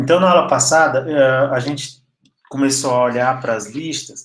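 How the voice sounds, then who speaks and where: Fairly high for a man, this voice moves at a fairly slow pace. Its pitch variation is ordinary. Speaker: programming teacher. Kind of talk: live online lecture. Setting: live stream with screen share.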